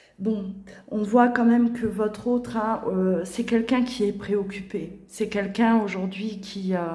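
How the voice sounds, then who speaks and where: A woman speaks at a fairly slow pace with medium pitch and fairly even intonation, with audible room echo and noticeable background noise. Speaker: tarot card reader. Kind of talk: tarot reading to camera. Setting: home office. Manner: loud; hesitant, many fillers. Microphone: echoey room sound.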